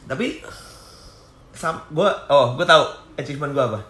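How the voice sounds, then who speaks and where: A man in his thirties with a bright, slightly high voice talks in a loose, slangy way and laughs often. He tells business stories as a podcast guest. The room sounds roomy and echoey. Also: normal speed. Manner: chatty, slangy, laughs often, mixes English phrases. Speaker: restaurant founder guest. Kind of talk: casual podcast interview.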